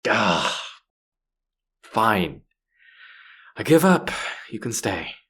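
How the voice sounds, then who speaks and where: A deep-voiced, gruff male space pirate played by a male voice actor speaks directly to the listener in a sci-fi audio roleplay. He comes across as sardonic and easily exasperated, a hard case who only grudgingly softens. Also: sing-song, extremely slow, exaggerated voice. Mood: exasperated, defensive. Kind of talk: scripted audio roleplay, one-sided dialogue to listener.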